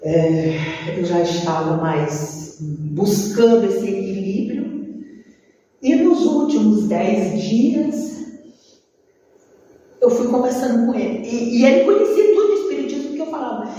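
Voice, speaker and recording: A woman with a Brazilian Portuguese accent tells a personal life story to a group, in a lively way, often talking straight to her listeners. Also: on the high side, unhurried, a little hiss or hum. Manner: lively storytelling, addressing the audience directly. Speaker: speaker sharing a life testimony. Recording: echoey hall, mic far off, dull sound.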